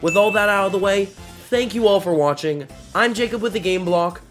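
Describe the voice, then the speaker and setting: Slightly hoarse chatty male gaming host. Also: sits high, normal speed, over music. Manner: enthusiastic, chatty. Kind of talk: scripted gaming commentary.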